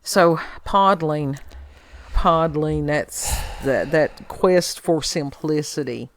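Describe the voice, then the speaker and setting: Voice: mid-range voice, slow pace, no room sound. Rambling podcast co-host, dry close sound. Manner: rambling, changes direction mid-sentence. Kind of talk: casual conversational chat.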